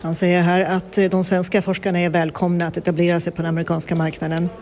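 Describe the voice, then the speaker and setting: A woman's voice: on the low side, monotone, racing, darkish tone, slight background noise. A woman radio reporter with a Swedish accent, asking interview questions with many hesitant ums.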